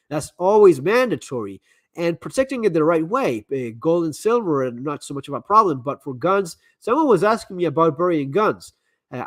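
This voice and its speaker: A man with a voice on the high side, in a dry recording, hosts a live stream and answers viewer messages. He chats casually and gives candid advice, often stammering, repeating words and restarting sentences.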